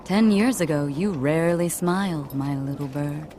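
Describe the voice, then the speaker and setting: An actress playing a proud, commanding warrior woman chief who speaks with measured, fond warmth in a game cutscene. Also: a little hiss or hum, close to an everyday voice. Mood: tender. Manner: low, measured, regal and fond. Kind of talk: video game cutscene acting. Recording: game soundtrack with faint music.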